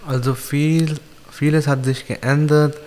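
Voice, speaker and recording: A young man from Pakistan whose first language is Urdu, answering interview questions in simple, halting learner's German with many pauses. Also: on the high side, level tone, darkish tone, big-room sound. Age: young adult.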